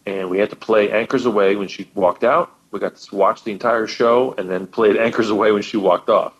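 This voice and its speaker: A man's voice: on the low side, fairly even intonation, a little fast, lo-fi sound. A man, a professional musician guest, chatting with enthusiasm and often repeating words as he thinks. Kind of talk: casual chat.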